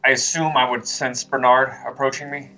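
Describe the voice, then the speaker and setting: A man's voice: mid-range voice, level tone, normal speed, sharp tone, rough recording. A man chatting casually as a player in a tabletop role-playing game, describing what his character does. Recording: background music behind the voice.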